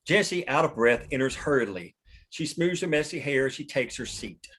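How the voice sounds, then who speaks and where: A man's voice: mid-range voice, animated, moderate pace, fairly bright tone, slightly rough. A man reading scripted narration and scene directions at a table read. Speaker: stage-direction reader.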